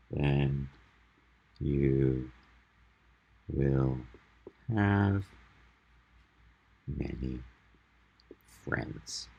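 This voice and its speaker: A man whose first language was Albanian teaches math to a class. His voice is very low and a little husky, and he speaks slowly with lively rises and falls. He walks through each step patiently and keeps checking that his students follow. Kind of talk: classroom lecture on functions.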